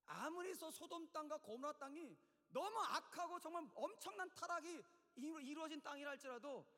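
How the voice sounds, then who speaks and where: A man's voice: very high voice, sharp tone, long reverb tail, voice pushed up, heavily acted. A preacher acting out Abraham as an old man who argues urgently and pleads with God in a raised voice.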